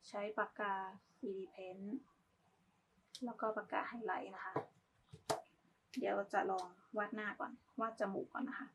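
A woman's voice: mid-range voice, fairly even intonation, a little slow, creaky, long pauses, a bit bright. Woman casually teaching a craft, noisy recording. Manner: informal, polite, talks while demonstrating. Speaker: craft tutorial instructor. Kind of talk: casual step-by-step tutorial narration.

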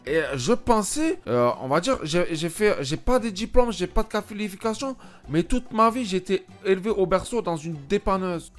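A man streaming a roleplay game, playing a rough-talking gypsy job seeker who swears and mutters to himself. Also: sits high, moderate pace, soft background music. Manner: excitable, swearing, mumbling asides to himself. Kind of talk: GTA roleplay commentary in character.

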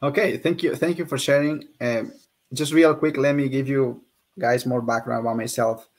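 A man's voice: medium pitch, fairly even intonation, normal speed. A young man from Peru hosting a casual interview over a video call, talking in a friendly, conversational way. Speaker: interview host.

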